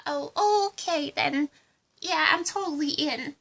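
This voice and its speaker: A woman's voice: sits high, slow pace, creaky, sharp tone, heavily acted. A woman voicing a giddy, unhinged female villain with a put-on accent in a fan roleplay, bubbly and eager to please. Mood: manic.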